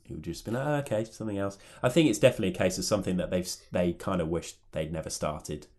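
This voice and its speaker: A man hosting a casual podcast chat, talking loosely and trailing off into low mutters. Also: expressive, quick pace, a little mellow. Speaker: podcast host.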